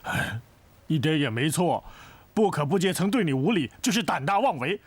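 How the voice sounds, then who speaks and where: A man's voice: a little high, sing-song, moderate pace. An actor playing a guilt-ridden, melodramatic father in a period martial-arts TV drama, theatrical and wailing. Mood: rambling storytelling. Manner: wailing and theatrical, swinging between sobs and rambling stories. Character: guilt-ridden, melodramatic father who keeps trying to die. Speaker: the young woman's father. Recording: TV drama with music score.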